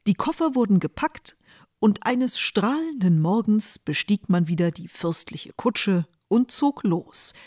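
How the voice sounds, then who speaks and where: A woman narrates a storybook tale in a mid-range voice. Her delivery is scripted and expressive, with a wry touch. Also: medium pitch.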